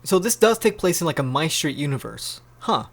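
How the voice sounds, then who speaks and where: A young man with a fairly high voice reads a story aloud in a casual way. His delivery is very lively and swings widely in pitch as he reacts to what he reads. Music plays behind him. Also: a little fast, gravelly. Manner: animated, reacts to the story as reading. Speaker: video host reading fan fiction aloud. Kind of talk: casual storybook reading with chatty commentary.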